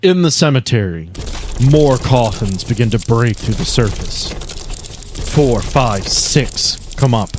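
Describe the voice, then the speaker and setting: A man's voice: mid-range voice, expressive, slow pace, noisy background. A man acting as game master, narrating scenes and rulings in a tabletop roleplaying game. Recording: background music under the voice.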